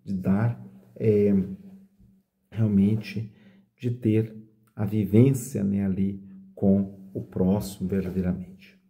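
Slow, gravelly-voiced middle-aged priest. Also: male voice, fairly low pitch, little pitch movement, mellow. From Brazil. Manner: slow, reflective, asks "né?" often. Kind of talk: reading and explaining scripture. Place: small room indoors. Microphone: phone camera at close range.

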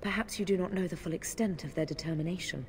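An actress playing a poised, guarded young noblewoman in a fantasy video game, speaking in a measured, formal, conspiratorial manner. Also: fairly low pitch, natural voice. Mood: grave, conspiratorial. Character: poised, guarded young noblewoman informant, discreetly warning of plots. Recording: long hall reverb, noisy game ambience.

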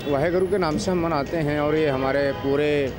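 A middle-aged man from Haryana giving a halting street interview, searching for his words. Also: a little high, over music. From Haryana, India. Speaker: devotee interviewee. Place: outdoors on a city street. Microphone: handheld interviewer mic.

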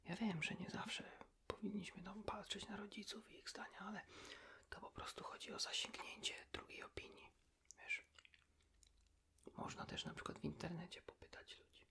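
A man whispers softly and intimately, in an unhurried ASMR chat as if to a friend. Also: high voice, fairly even intonation. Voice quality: soft breathy whisper. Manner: hushed, intimate, unhurried, addressing the listener as a friend. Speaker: ASMR creator, host.

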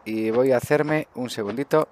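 A Spanish-accented, middle-aged gaming host speaks at normal speed in a mid-range voice with a darkish tone. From his desk on webcam, he chats and thinks aloud through casual, improvised gameplay commentary, muttering questions to himself, and a little hiss or hum is audible.

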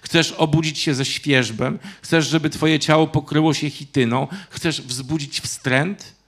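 A man reading from a novel and voicing a stern, cold elderly grandfather in a literary reading, with clipped, drawn-out words. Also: mid-range voice, steady tone, natural voice. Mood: stern interrogation.

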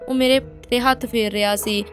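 A woman's voice: on the high side, steady tone, moderate pace, fairly bright tone, faint music behind. A woman narrating a painful first-person story in a plain, direct way.

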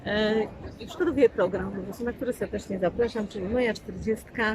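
A woman's voice: medium pitch, a little fast, low-quality recording. A woman in her sixties, an actress giving a casual interview, emphatic and repeating key words. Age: 60s. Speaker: stage actress being interviewed. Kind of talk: casual spontaneous interview talk. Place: outdoors in a town street. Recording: outdoor urban recording with crowd and traffic.

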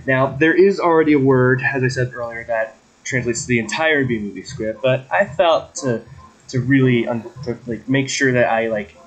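A man giving an informal comedic presentation, halting and repeating himself as he goes. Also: mid-range voice, dull audio. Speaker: presenter of an invented language.

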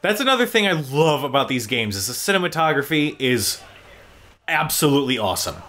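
A man's voice: fairly high pitch, big pitch swings, brisk, sharp tone, slight background noise. A man giving casual, exclamatory commentary as he watches game cutscenes. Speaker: video game show host.

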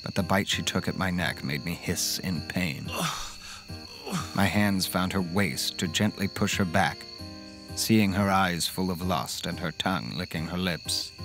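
Low-pitched male actor as lovestruck gentleman telling his own gothic horror tale, music underneath. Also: measured pace. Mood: wistful, sensual. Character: smitten gentlemanly man recounting a dark horror romance. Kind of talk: dramatic first-person audio drama narration.

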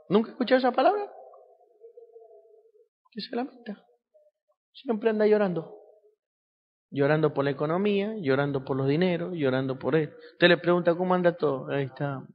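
A man's voice: fairly high pitch, in a large hall, highs cut off. A man preaching a sermon as pastor, asking his congregation rhetorical questions.

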